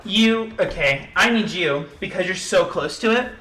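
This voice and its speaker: Bright-voiced game master in an echoey room. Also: male voice, high-pitched, animated, moderate pace. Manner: loose, hesitant narration with fillers. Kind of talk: running a tabletop game. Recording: echoey room with faint music.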